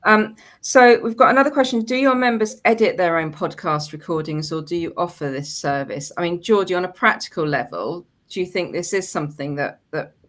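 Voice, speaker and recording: A woman hosting an informal panel, putting questions to guests in a halting, conversational way. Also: on the low side, a bit bright. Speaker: webinar host.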